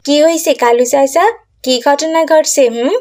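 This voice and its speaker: A woman voicing an excitable village child in a cartoon, exclaiming and questioning with a Bangladeshi accent. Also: high voice, measured pace. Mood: curious. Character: excitable, alarmed village child playing football. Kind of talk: cartoon character acting.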